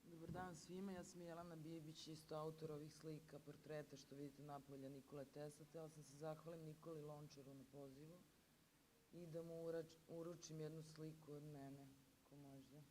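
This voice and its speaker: Woman painter, formal thanks, flat voice, distant, hissy. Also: low-pitched, brisk. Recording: distant mic with loud hiss.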